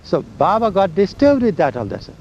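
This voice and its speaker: An older man, slowly recalling old memories in an oral history interview, with a loud voice. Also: high-pitched, huge pitch swings. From India. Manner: slow, halting storytelling of memories. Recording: dull lo-fi recording with faint hiss and vehicle sounds.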